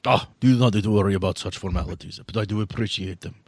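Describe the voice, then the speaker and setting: Man playing a husky, formal vampire power broker. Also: fairly low pitch, a little mellow, no room sound. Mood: courteous. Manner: formal, deliberate, avoids contractions. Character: courtly, shrewd old male vampire power broker with stiff formal speech. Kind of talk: in-character tabletop roleplay.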